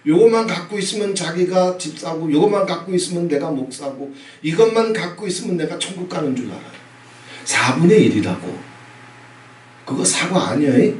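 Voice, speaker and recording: Middle-aged male pastor, emphatic sermon with audience prompts, echoey church recorded from a distance. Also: sits high. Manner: emphatic preaching with repeated "예?" prompts and sudden loud bursts. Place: church sanctuary. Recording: echoey hall, from a distance, faint noise.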